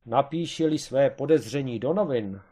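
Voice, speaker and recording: A man voicing a cautious doctor in a comic storybook reading, measured and objecting. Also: mid-range voice, lively intonation, mellow, slightly rough, pitched above the performer's own voice. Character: cautious reasoning male doctor.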